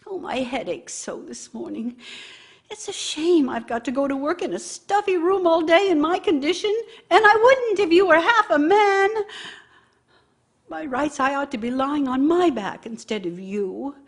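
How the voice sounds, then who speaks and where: A woman's voice: sits high, animated, moderate pace. An actress playing a bitter, nagging working wife who scolds her idle husband with scorn and sarcasm in a radio drama monologue. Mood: aggrieved, complaining.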